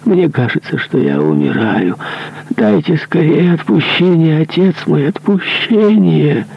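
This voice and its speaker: A guilt-ridden executioner on his deathbed pleads for absolution in a voice pushed high and strained, as a male audiobook reader puts him on. The delivery is slow and anguished, with a gravelly edge underneath. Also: very animated, mellow, no echo, heavily acted, rough recording. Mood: desperate terror. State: dying.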